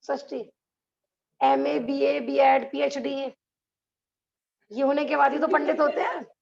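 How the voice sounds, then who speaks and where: A woman's voice: high voice, little pitch movement, slow, gravelly, dull audio. A woman teaching a religious class who keeps asking the listeners rhetorical questions and laughs between points. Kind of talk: lecture to a class.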